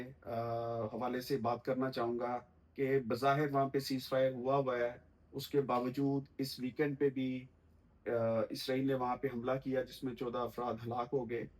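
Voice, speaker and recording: A middle-aged man, a guest commentator giving measured political analysis in formal language with frequent thoughtful pauses. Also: mid-range voice, low-quality recording.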